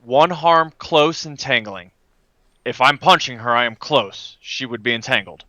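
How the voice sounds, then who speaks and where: A man's voice: mid-range voice, a little slow, pushed and bright, dry recording. A man playing a tabletop game, talking casually through the rules as a player.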